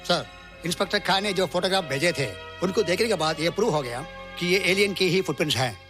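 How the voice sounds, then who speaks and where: An actor playing a scientist who explains findings in a matter-of-fact way, in film dialogue. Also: male voice, sits high, expressive, fast, music in the background. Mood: businesslike. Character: scientist reporting to an official.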